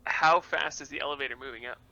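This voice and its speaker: A man's voice: medium pitch, fast talker, gravelly, bright, forceful tone, dull audio. A man playing a tabletop game, speaking in a casual, matter-of-fact way. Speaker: player.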